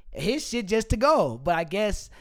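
A man's voice: high voice, sing-song, measured pace, fairly bright tone. A man in his late twenties hosting a casual podcast chat, talking loosely with slang and frequent laughter. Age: 20s. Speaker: podcast host. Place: Houston area. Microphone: studio mic.

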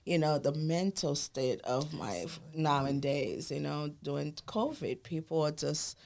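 Haitian-accented woman, low voice. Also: measured pace, gravelly, darkish tone. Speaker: guest, magazine publisher. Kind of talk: casual podcast interview.

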